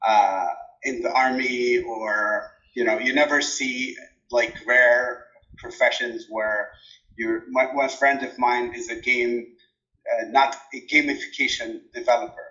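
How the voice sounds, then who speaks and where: Man with an Arabic accent, bright, lo-fi. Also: medium pitch, steady tone, a little slow. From Jordan. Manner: thoughtful, many fillers and restarts. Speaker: interview guest, dissertation coach. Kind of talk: relaxed conversational interview.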